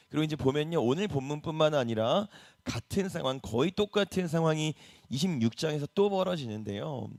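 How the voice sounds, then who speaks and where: A male pastor delivers an early-morning sermon in a plain, everyday tone. He speaks conversationally and keeps asking his listeners rhetorical questions. His voice sits at a middle pitch and sounds dry and close, with no room echo. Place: church.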